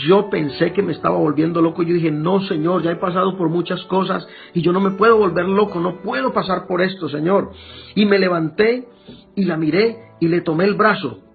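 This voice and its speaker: Man preaching a testimony, gravelly husky voice, stumbles and repeats himself, thin phone-like sound. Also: a little high. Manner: emotional, halting with repeated words. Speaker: pastor giving testimony. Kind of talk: sermon testimony. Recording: tinny lo-fi phone-like recording with faint music.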